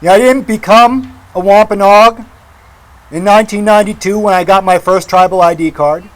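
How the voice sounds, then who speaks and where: A man in his forties from Massachusetts gives an impassioned public speech at a rally, speaking emphatically with deliberate repetition. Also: high-pitched, rough recording. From Mashpee, Massachusetts, United States. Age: 40s. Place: outdoor rally.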